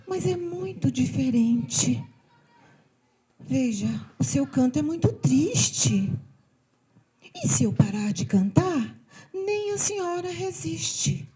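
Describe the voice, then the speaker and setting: A woman's voice: high-pitched, lively intonation, slow pace, long pauses, pitched above the performer's own voice. A woman doing a meek, pleading cicada. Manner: gentle, pleading, soft-spoken. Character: meek, sweet female cicada singer, pleading.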